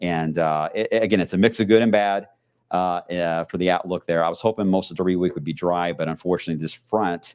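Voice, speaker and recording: Mumbling at a fairly quick pace, a man speaks in a very deep, low voice with ordinary pitch variation. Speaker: TV meteorologist. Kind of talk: casual livestream weather chat. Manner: casual, rambling with fillers.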